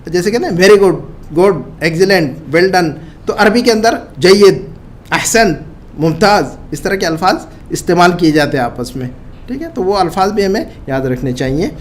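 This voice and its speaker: A man's voice: high voice, lively intonation. A man teaching an Arabic class to Urdu speakers, drilling words by repetition and stressing careful pronunciation. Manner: repeats phrases slowly and stresses pronunciation.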